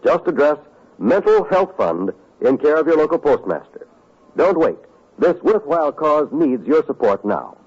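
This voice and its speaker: A male radio announcer reading an earnest, measured public service appeal. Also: a little high, big pitch swings. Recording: muffled vintage radio recording.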